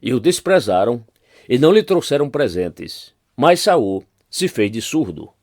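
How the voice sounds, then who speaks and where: Expressive Brazilian man reading scripture. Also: mid-range voice, a little slow, dry recording, clean studio sound. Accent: Brazilian Portuguese. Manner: expressive reading, lifts voice for quoted speech. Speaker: pastor. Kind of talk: Bible reading.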